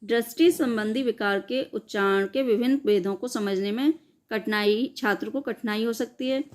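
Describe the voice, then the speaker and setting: A woman's voice: a little high, normal speed. A woman teacher giving an exam-prep lecture, explaining step by step and answering her own questions.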